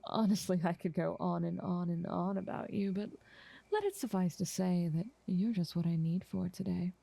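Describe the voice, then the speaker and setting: A woman voicing an ancient, motherly vampire in an ASMR roleplay, soft, half-whispered, doting and possessive, speaking in an unhurried, genteel way. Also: lowish voice, fairly even intonation, creaky. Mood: tender, possessive.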